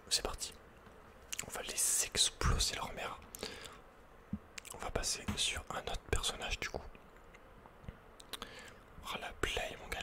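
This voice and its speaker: A man whispering casual, slangy, playful game commentary in a breathy ASMR style, close to the microphone. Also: very high-pitched. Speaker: ASMR video game player.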